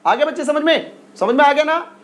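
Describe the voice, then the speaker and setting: A male teacher giving an exam-prep lesson, repeating himself and coaxing his students to answer quickly. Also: very high-pitched. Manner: repetitive, coaxing, drills questions and urges quick answers.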